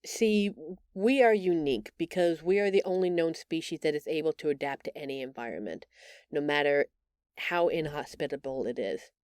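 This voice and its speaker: A woman voicing a gentle, timid alien woman in an intimate audio roleplay, speaking hesitantly and earnestly, with tender halting stammers. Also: sits low, smooth, no room sound, clean studio sound, natural voice. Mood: earnest explaining. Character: gentle, timid bioluminescent alien woman, shapeshifter in human exile.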